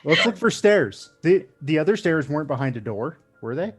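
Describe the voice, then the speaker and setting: A man's voice: fairly high pitch, big pitch swings, normal speed, breathy edge, faint music behind. A man playing a tabletop game, joking and playing dim. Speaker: player. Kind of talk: casual game chat.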